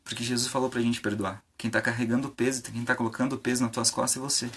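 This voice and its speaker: Gravelly man preaching casually. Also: mid-range voice, little pitch movement, quick pace, fairly bright tone. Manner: conversational, many fillers and rhetorical questions. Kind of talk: informal sermon on a live stream.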